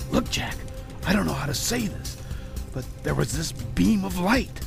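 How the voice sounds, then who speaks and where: A man's voice: sits high, lively intonation, unhurried, creaky, over music, voice pushed up, exaggerated voice. A man voicing an anxious, bewildered man in a scary story reading. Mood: anxious, disbelieving. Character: anxious, bewildered man named Sam on an island.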